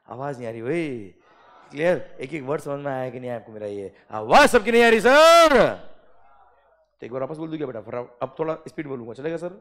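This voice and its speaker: A man with an Indian accent lecturing students in a classroom, mixing Hindi and English. He reads legal text slowly word by word and keeps asking the class whether it is clear. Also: mid-range voice, a little mellow. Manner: calls students "beta" and "sir". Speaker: GST teacher.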